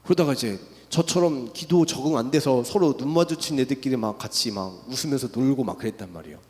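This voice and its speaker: A man's voice: mid-range voice, expressive, quick pace, darkish tone. A young man giving an emotional church testimony, telling his story with a voice that rises in intensity. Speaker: testimony speaker. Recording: long reverb in a hall.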